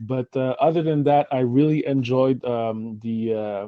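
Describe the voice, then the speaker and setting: A man is speaking. His pace is moderate. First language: not English. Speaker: Toastmasters club member. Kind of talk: panel comment. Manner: halting, many fillers.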